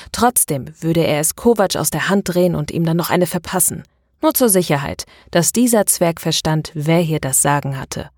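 A woman narrating a novel in a steady, measured reading. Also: low voice, no room sound, studio quality. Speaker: audiobook narrator. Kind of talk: scripted narration.

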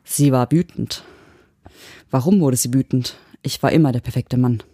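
A woman from Germany reading a dark short story in even, measured narration. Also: extremely low pitch, no room sound, clean studio sound. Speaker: audiobook reader. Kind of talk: scripted narration.

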